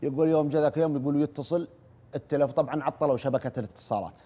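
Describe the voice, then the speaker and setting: A man retelling a war story as an oral storyteller, brisk and earnest, repeating "he says" as he goes. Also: a little high, fairly even intonation, warm tone, dull audio.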